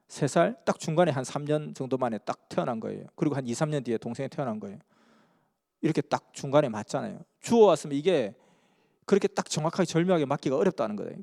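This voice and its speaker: A man's voice: a little high, mellow. A man from Busan, earnestly telling a story in a sermon. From Busan, South Korea. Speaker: preacher. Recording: long hall reverb.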